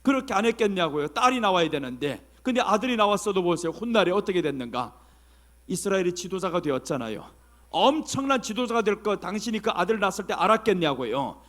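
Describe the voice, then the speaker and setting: A male pastor preaching a sermon with passion, firing off rhetorical questions and sometimes shouting. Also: high voice, very animated, fast.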